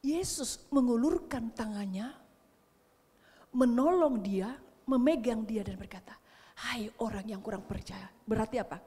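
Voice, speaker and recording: A woman with an Indonesian accent preaching a sermon, who retells a story with dramatic cries and then drops to a soft, hushed voice. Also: a little high. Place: church sanctuary. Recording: long church hall reverb.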